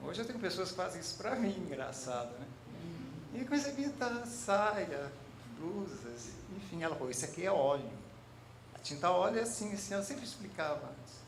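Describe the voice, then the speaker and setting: A man speaks with very wide pitch swings. Audible room echo and noticeable background noise surround him. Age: 60s. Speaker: painter. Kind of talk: panel talk, personal storytelling. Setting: stage with audience at a cultural centre. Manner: casual, conversational.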